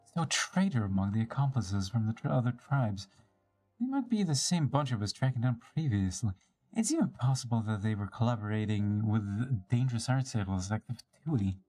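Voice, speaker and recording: A man's voice: on the low side, lively intonation, moderate pace, a little mellow, rough recording. Man reading game dialogue theatrically over music. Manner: theatrical, switches between character voices, stumbles and rereads lines. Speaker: live streamer. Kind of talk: dramatic read-aloud of video game dialogue. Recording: music behind the voice.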